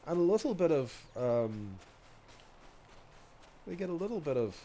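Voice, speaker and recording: A man's voice: a little high, big pitch swings, measured pace, mellow, slight background noise. Bunged-up man rambling with a cold. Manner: meandering, hesitant, many ums and restarts. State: stuffy nose from a cold, coughing. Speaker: video host. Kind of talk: rambling walk-along commentary.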